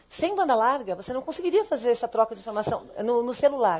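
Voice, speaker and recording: A woman's fairly high voice with lively intonation and a fairly quick pace. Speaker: lecturer on digital technology. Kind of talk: lecture. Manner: fast.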